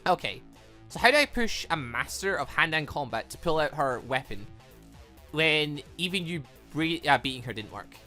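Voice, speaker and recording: An excitable gaming YouTuber reading a visual novel aloud and commenting on it in an animated, exclaiming manner. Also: medium pitch, moderate pace. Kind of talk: let's play commentary mixed with reading dialogue aloud. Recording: music behind the voice. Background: video game music.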